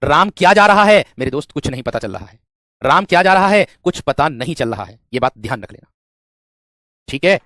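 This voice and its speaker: A man's voice: on the high side, big pitch swings, fairly quick, fairly bright tone, dry recording, clean studio sound. A man teaching an exam-prep grammar lesson, asking the class questions and answering them himself, repeating key phrases. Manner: repeats phrases, often says "my friend".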